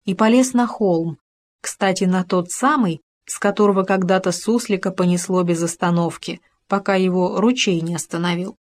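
A woman narrating a children's story in a calm, even storytelling manner. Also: lowish voice, moderate pace. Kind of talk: audiobook story reading.

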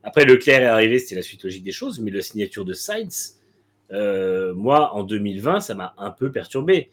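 A man with a slightly low, husky voice co-hosts a casual motorsport chat. He gives frank, blunt opinions and often stalls on fillers before going on. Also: very animated, brisk. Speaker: motorsport podcast co-host.

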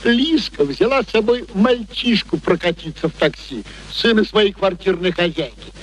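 High-voiced, sly working-class father. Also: expressive, rough recording. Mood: ingratiating storytelling. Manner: drawn-out, theatrical, ingratiating. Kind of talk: radio play acting. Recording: old radio recording with background noise.

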